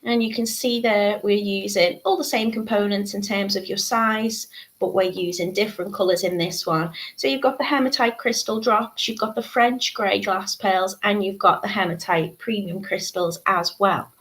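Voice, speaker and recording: A woman's voice: mid-range voice, normal speed, a bit bright. Chatty woman with a slightly congested voice. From United Kingdom. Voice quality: chatty, many ums and asides. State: congested, a little croaky. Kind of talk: live craft tutorial, chatty.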